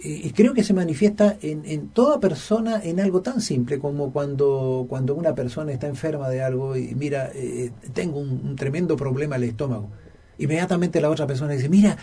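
Man, Bible study co-host, earnest, emphatic, somewhat high, husky. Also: mellow. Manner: earnest, emphatic, with frequent fillers and repeated words. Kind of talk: conversational Bible study dialogue.

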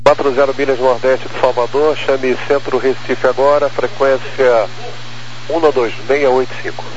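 A man's voice: medium pitch, level tone, moderate pace. Brazilian male air traffic controller on muffled radio. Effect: radio transmission. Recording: muffled aviation radio, faint noise.

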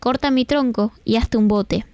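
A woman voicing a gentle, generous old apple tree in a soft, tender tone, on a children's radio story. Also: a little high, normal speed, no room sound, natural voice.

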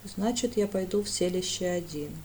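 A woman voicing a gloomy, reserved male priest who speaks coldly and evenly in a lowered voice. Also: a little mellow, a little hiss or hum, natural voice, poor audio. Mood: weary. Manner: cold, measured, low-voiced.

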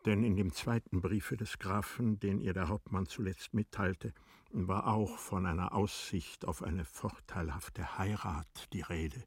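A man narrating a German literary radio play in a measured, sober, formal manner. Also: low-pitched, fairly even intonation, breathy edge, no echo, studio quality.

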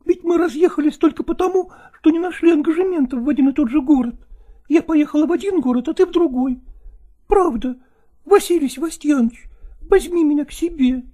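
A man's voice: extremely high pitch, a little fast, warm tone, pitched above the performer's own voice. A man doing a pleading, lovesick young actress. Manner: pleading, tearful, coaxing. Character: young actress, pleading, clingy, passionately in love.

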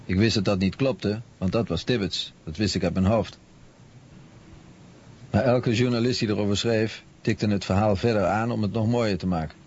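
A man's voice: lowish voice, normal speed, a little mellow, close to an everyday voice. A man voicing a plain-spoken author in an interview voice-over translation. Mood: matter-of-fact. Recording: dull sound with faint noise.

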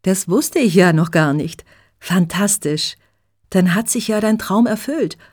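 A woman's voice: medium pitch, measured pace, a little mellow, lightly acted. A woman reading an eager, unsure young dancer. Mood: curious.

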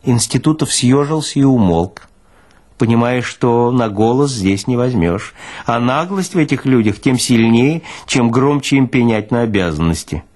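A man's voice: mid-range voice, animated, moderate pace, darkish tone. A man narrating literary fiction expressively, as in an audiobook.

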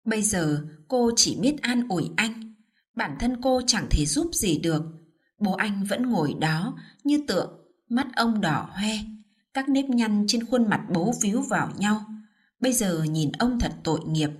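A woman narrating a dramatic story in an expressive storytelling manner. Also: medium pitch, measured pace, slightly rough. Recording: faint background music.

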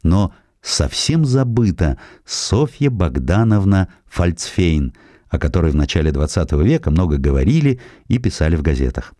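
A man reading a scripted historical narrative as an audiobook narrator, in an expressive, measured storytelling manner. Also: deep voice, dry recording, studio quality.

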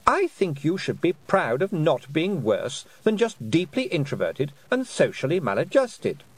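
A man's voice: fairly high pitch, wildly swooping pitch, measured pace, voice pushed up, heavily acted. A man putting on a silky, taunting fairy queen. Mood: cruel. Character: cruel, mocking fairy queen woman.

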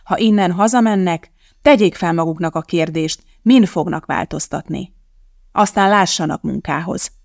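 A resolute woman chemist who hosts a television cooking show, voiced by an audiobook reader, speaks firmly to a studio crowd. Her delivery is raised and declaiming, with a gravelly edge. The recording is dry and close. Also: mid-range voice, dry recording, close to an everyday voice. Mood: rousing. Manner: firm, declaiming to a studio audience. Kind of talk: audiobook character voicing.

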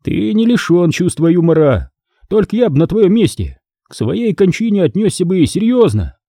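Guy doing a mocking mob boss, pitched up, swoopy, barks threats. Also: very animated, normal speed, dark tone, dry recording, studio quality, heavily acted. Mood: menacing. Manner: taunting, barked threats and sly mockery. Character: sneering crime boss, mocking and menacing man.

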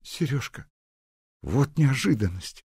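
A man voicing a gentle, earnest young woman student. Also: mid-range voice, lively intonation, moderate pace, dry recording, studio quality, pitched above the performer's own voice, natural voice. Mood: surprised.

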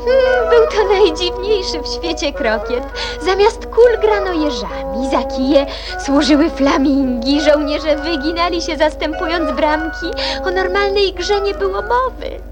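A woman's voice: very high voice, animated, a little slow. An actress playing a curious, outspoken young girl in a children's radio play, both acting and narrating. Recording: music behind the voice.

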